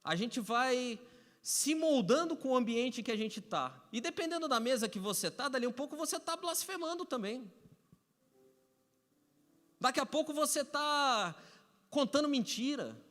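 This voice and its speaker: A man's voice: very high voice, lively intonation, normal speed, fairly bright tone. A Brazilian man preaching a Sunday sermon as pastor, conversational and repetitive with touches of humor. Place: church sanctuary. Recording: echoey hall reverb.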